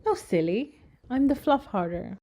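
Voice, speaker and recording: Mellow, cheeky flirt. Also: female voice, fairly high pitch, expressive, a little slow, creaky, exaggerated voice. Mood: playful. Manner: coy, suggestive. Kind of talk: audio drama acting.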